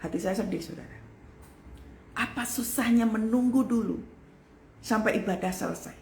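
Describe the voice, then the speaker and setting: A woman pastor giving an earnest, emphatic sermon, calling her listeners "saudara" and swinging between loud exclamations and soft whispers. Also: on the high side, moderate pace. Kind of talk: live-streamed sermon. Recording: echoey room with faint ambient noise.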